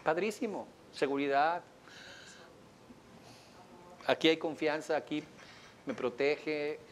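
Animated man teaching a workshop. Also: slow pace, a little hiss or hum. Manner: animated, acts out client lines in a higher voice; asks the audience questions. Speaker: coaching instructor. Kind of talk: live coaching workshop lecture.

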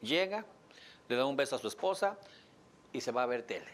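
A man with a Mexican accent giving a lively lecture to a live audience, joking and asking them questions. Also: medium pitch, fairly quick, slight background noise. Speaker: speaker teaching an audience.

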